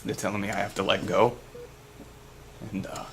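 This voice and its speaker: Male actor as brooding asylum director, lowish creaky voice, halting, deliberate, dramatic fan-series monologue, noisy recording. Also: completely flat delivery, close to an everyday voice. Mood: brooding, grieving. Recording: clearly noisy amateur recording with ambience.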